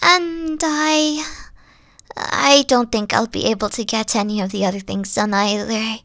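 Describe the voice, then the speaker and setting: A young woman voicing a weary, gentle fox-spirit girlfriend in an audio roleplay, soft-spoken and hesitant, often trailing off. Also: fairly high pitch, steady tone, measured pace, dry recording, clean studio sound. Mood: tired, reassuring.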